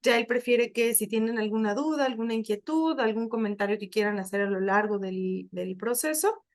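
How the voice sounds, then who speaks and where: A woman moderating an online webinar, with a somewhat higher voice. She speaks politely and welcomingly, pausing often on small fillers as she explains the rules and introduces the speaker. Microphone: video call.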